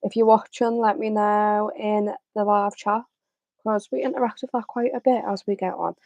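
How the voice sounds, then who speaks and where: A young woman hosting a football livestream, chatting casually with a slightly raspy voice and plenty of fillers. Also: mid-range voice, normal speed, no echo. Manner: chatty, relaxed, many fillers. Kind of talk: casual live chat.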